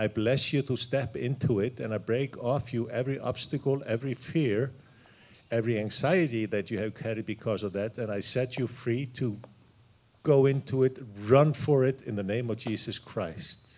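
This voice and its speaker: At a moderate pace, a man talks at medium pitch with ordinary pitch variation and an unremarkable speaking voice. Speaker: guest minister. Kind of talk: prayer and blessing.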